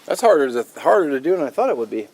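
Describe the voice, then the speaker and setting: A man's voice: a little high, very animated, very fast, darkish tone. Casual man vlogging outdoors with faint background noise. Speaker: host of a challenge video. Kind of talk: casual vlog chat.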